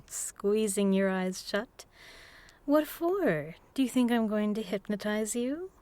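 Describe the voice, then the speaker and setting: A woman's voice: medium pitch, slow pace, mellow, no room sound, lightly acted. A woman playing a seductive, menacing vampire in an intimate audio roleplay, teasing and purring, often dropping to a whisper. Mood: coaxing, threatening. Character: seductive, menacing female vampire predator toying with prey. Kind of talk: intimate hypnotic audio roleplay, slow and breathy.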